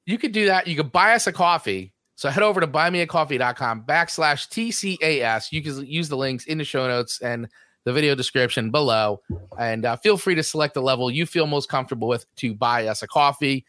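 A man's voice: medium pitch, fairly quick, sharp tone, dry recording, clean studio sound. A man with a New Jersey accent co-hosting a podcast, chatting casually and rambling through show plugs. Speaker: podcast co-host. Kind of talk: casual chat.

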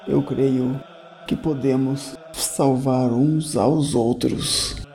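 A man playing a gentle, devout priest in an audio drama role-play, speaking haltingly and repeating phrases with solemn fervour. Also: mid-range voice, steady tone. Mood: fervent, tender. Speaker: tabletop role-play player. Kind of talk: improvised in-character audio drama acting.

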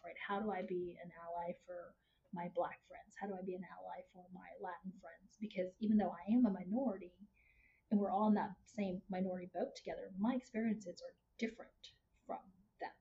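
A woman in her forties with a Texas twang, talking frankly and chattily as a guest in a casual interview. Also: fairly low pitch. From Houston, Texas, born in Vietnam. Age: 40s. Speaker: podcast guest. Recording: muffled with steady background noise.

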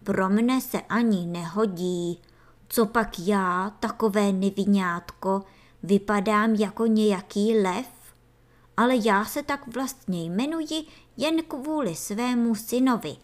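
A woman's voice: medium pitch, close to an everyday voice. A woman doing a doting antlion father. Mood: sweetly confiding. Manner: cooing, fondly baby-talking. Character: doting father antlion, sweetly boastful insect.

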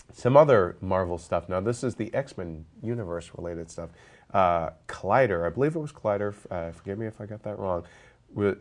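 A man with a very low voice hosts a movie news podcast. He is stuffed up, and he chats casually with plenty of fillers and the odd joke. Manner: chatty, lots of fillers, jokey. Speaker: podcast host. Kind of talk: casual roundtable chat.

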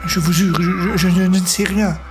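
A man's voice: a little high, fairly even intonation, fast, pitched above the performer's own voice, close to an everyday voice. A man voicing a frightened young woman scientist who stammers in panic, in an audio story with music underneath. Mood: terrified.

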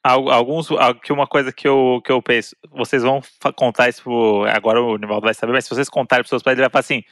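A man co-hosting a podcast, making halting, joking asides in casual chat. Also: mid-range voice, level tone, fairly bright tone, no room sound.

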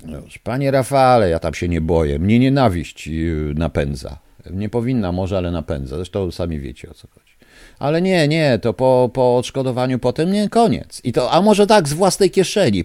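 Furious male radio host, dark voice. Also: lowish voice, no room sound, clean studio sound. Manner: angry, indignant ranting. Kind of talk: live radio talk to listeners. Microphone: studio microphone.

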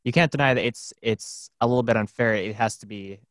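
A man's voice: mid-range voice, brisk, a bit bright, no room sound, studio quality. A young man interviewing his guest in a casual, reflective way, thinking aloud with fillers.

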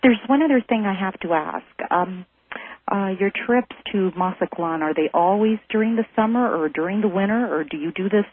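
A woman's voice: medium pitch, moderate pace. A woman calling a radio show, chatty and curious, with many ums between her questions. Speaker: caller. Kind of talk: call-in chat. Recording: phone line with faint hiss.

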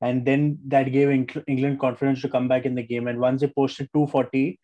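A man's voice: medium pitch, little pitch movement, fairly quick, muffled recording. A man with a South Asian accent co-hosting a podcast, chatting casually about sport with some Hindi-Urdu mixed in. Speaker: podcast co-host.

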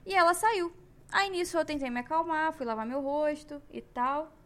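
A young Brazilian woman with a Brazilian Portuguese accent, hosting a podcast and telling a personal story in an emotional, animated way. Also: high voice, normal speed. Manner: emotional, animated retelling with slang. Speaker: podcast host.

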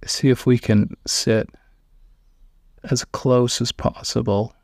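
A man guiding a meditation in a calm, measured manner, speaking in short, sparse phrases with long pauses, close to the microphone. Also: mid-range voice, gravelly, dry recording. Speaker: meditation guide. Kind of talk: guided meditation.

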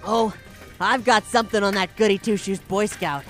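A woman's voice: mid-range voice, steady tone, normal speed, soft background music, natural voice. A woman playing a cocky young bully boss with a swaggering, slangy drawl in an audio drama. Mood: scheming. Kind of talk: cinematic audio drama roleplay.

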